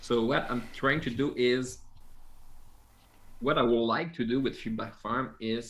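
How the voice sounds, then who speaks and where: French-accented guy chatting as a podcast guest, hesitant, keeps restarting, laughs a lot, normal mid pitch. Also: normal speed, fairly bright tone. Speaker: podcast guest, app founder. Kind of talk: casual conversation.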